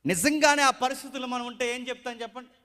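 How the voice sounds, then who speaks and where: A man's voice: extremely high pitch, fairly even intonation, quick pace, pushed and bright, smooth. A man preaching a sermon, emphatic and full of rhetorical questions, in a church. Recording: long church-hall reverb.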